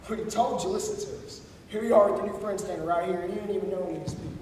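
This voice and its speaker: A man's voice: high voice, fairly even intonation, very fast, a little mellow, slight background noise, lightly acted. An actor playing a rowdy, drunk rural man who taunts and brags crudely. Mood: taunting. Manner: taunting, crude, swaggering storyteller. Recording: echoey hall, far from the mic.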